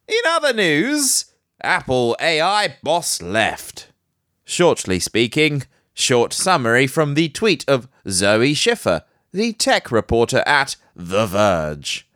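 A man's voice: mid-range voice, wildly swooping pitch, slow pace, fairly bright tone, dry recording, studio quality. A man hosting a casual tech news podcast. He is nasal from hay fever and breaks up the news with joking asides. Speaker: podcast host.

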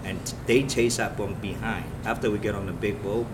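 A man from Vietnam, a police officer telling his story in an interview in earnest, halting short phrases. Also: on the low side. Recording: noisy room with steady background hum.

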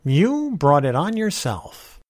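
A man voicing a mysterious little stranger in a story, wry and admonishing, speaking deliberately. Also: on the high side, wildly swooping pitch, darkish tone, pitched above the performer's own voice, exaggerated voice. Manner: slow, deliberate. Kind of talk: storybook character voice.

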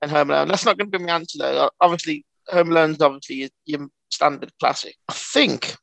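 A man's voice: on the high side, a little fast, vocal fry, a bit bright, no echo, poor audio. A man co-hosting a podcast, rambling and swearing casually in casual banter. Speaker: podcast co-host.

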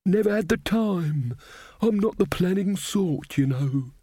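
A man's voice: sits high, lively intonation, a little slow, mellow, breathy edge, no echo, clean studio sound, pitched above the performer's own voice, heavily acted. A man voicing a mild, cheerful old fairy godmother woman who chats and rambles. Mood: mild, chatty.

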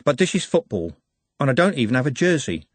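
Man voicing a heartfelt, high-pitched young working lad. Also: big pitch swings, fast talker, slightly rough, dry recording. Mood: reluctant, sad. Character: emotional, plain-spoken working-class young male footballer.

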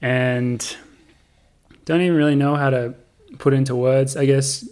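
Young NZ male co-host, laid-back rambling chat, flat intonation. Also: medium pitch, unhurried. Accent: New Zealand. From New Zealand. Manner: relaxed, rambling, laughs often. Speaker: podcast co-host. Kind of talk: casual chat.

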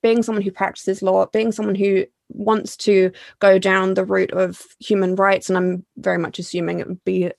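A woman's voice: mid-range voice, flat delivery, moderate pace, vocal fry, hardly any pauses, darkish tone, no room sound, clean studio sound. A young woman hosting a casual chat, asking long earnest, emotional questions that ramble. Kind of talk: casual podcast interview.

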